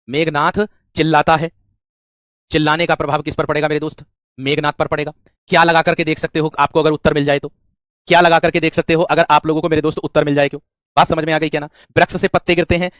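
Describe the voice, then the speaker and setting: This exam-prep grammar lesson is led by a man who keeps questioning and answering himself and repeats phrases a lot. His voice is somewhat high and fairly bright in tone. He's recorded up close, with a dry sound.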